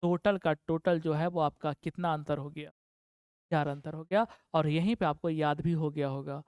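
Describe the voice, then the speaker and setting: A man teaching an exam-prep physics lesson. He asks the class questions, answers them himself, and repeats key terms slowly for dictation. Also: fairly high pitch, fairly even intonation, darkish tone, smooth, no echo, clean studio sound.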